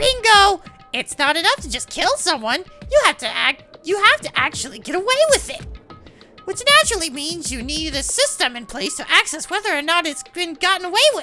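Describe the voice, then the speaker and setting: Over faint background music, a woman puts on a character voice of extremely high pitch and talks fairly quickly. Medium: game stream. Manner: gleeful, theatrical.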